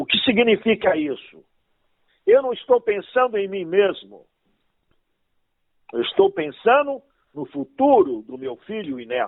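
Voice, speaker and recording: Speaking at a fairly slow pace and a high pitch, a man makes very wide pitch swings and big swings in loudness, with long, frequent pauses. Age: 60s. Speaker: lawyer and professor. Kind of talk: interview. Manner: formal.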